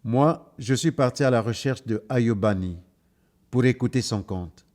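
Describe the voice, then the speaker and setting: A man telling folktales aloud in a playful, lively way, repeating words for effect. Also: mid-range voice, measured pace. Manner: playful, lively, repetitive storyteller's delivery. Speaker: storyteller. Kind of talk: animated oral storytelling.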